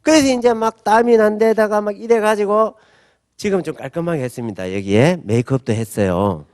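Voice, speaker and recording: A middle-aged man pastor, preaching a sermon with animated storytelling and asking the congregation for answers. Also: high voice, fairly quick, dry recording, studio quality. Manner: animated storytelling with acted-out quotes; asks the audience call-and-response questions.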